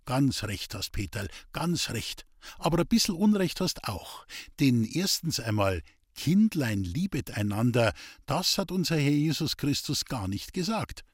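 A man voicing a patient, fatherly village priest in Bavarian dialect, in an audiobook, with a husky voice. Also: medium pitch, sing-song, unhurried, no echo, clean studio sound. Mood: gentle. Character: kindly, gently teasing older village priest.

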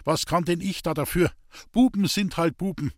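A man's voice: high-pitched, normal speed, no echo, clean studio sound, voice pushed up, natural voice. A man voicing an earnest, coaxing village priest speaking in Bavarian dialect in a storybook reading.

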